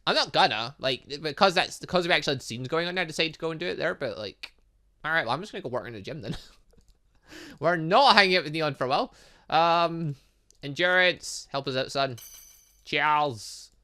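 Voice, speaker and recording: Male gamer, bright voice, animated pitch swings, playful casual commentary, excitable asides. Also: moderate pace. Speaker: gaming video host. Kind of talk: casual let's play commentary, reading game dialogue aloud.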